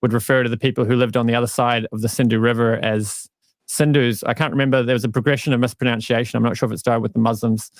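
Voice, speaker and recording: A man with a New Zealand accent, a guest calmly explaining his faith with dry self-mocking humor over a live-stream call. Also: medium pitch, fast talker, no echo. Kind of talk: casual interview talk.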